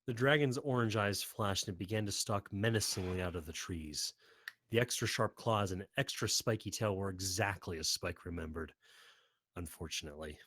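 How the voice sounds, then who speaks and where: A man's voice: deep voice, normal speed, fairly bright tone, no echo, studio quality. A man reading scripted, dramatic fantasy story narration.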